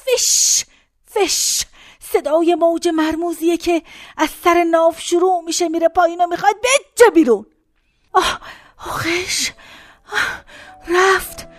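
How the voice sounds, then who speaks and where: A frail, very old woman played by an actress rambles in a high, thin voice, drifting from complaints to faraway memories in a folksy, wandering way. The sound is close and dry, as in a radio play. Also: steady tone, no echo. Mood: pained. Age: older. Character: very old woman in a care home, rambling and pained.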